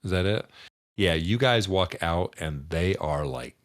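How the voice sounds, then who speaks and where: A man running a tabletop game as game master, narrating casually in a halting, joking, improvised way. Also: low voice, expressive, no echo, studio quality.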